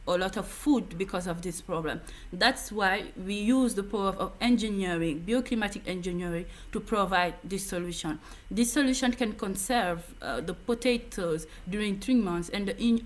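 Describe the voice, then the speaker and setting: Senegalese woman, founder's project presentation, Senegalese accent, mid-range voice. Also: medium pitch. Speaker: company founder and civil engineer.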